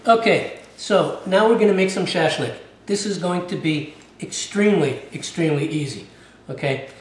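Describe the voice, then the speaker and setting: A man's voice: high-pitched, moderate pace. A man hosting his own cooking channel and walking through a recipe in a casual, chatty way, often checking in with "okay?". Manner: chatty, keeps tagging lines with "okay?". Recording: echoey room, mic a bit far off.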